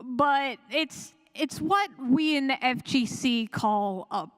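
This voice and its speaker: Female panelist, slightly high voice, casual and enthusiastic fan delivery, rambles and corrects herself. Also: slow pace. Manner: chatty and rambling, with frequent self-corrections and chuckles. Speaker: convention panelist. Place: live panel room at a fan convention.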